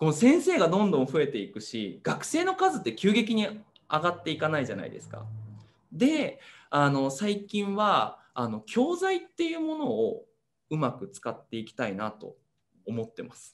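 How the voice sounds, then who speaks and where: Loudness rises and falls in big swings. The speech moves at a moderate pace. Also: man. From Japan. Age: 30s. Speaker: Japanese language teacher and educational YouTuber; Japanese teacher, interview guest. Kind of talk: interview conversation. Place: home room. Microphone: video call.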